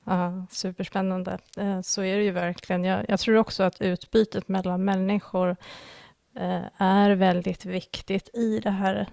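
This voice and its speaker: A woman's voice: mid-range voice, flat delivery, vocal fry, darkish tone, no room sound, studio quality. A woman hosting a casual interview, speaking in an enthusiastic, encouraging manner. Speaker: interviewer, podcast host.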